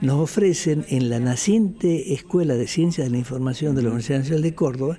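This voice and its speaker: A man talks at a fairly quick pace and a fairly high pitch, with ordinary pitch variation. His tone is dark and mellow, and somewhat breathy. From eastern Catamarca, Argentina. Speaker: journalist and researcher. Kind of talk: interview. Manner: reflective, frequent hesitations.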